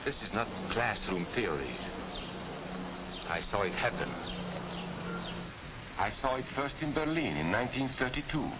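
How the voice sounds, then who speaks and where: An actor playing a calm, earnest male émigré professor who patiently explains. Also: medium pitch, moderate pace, long pauses, lightly acted. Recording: tinny hissy old film soundtrack.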